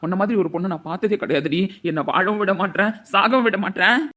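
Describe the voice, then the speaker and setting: A woman voicing an angry, scornful young husband in an amateur audio drama, shouting and scolding. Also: mid-range voice, quick pace, natural voice. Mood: furious. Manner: shouting, scolding, repeats "understand?".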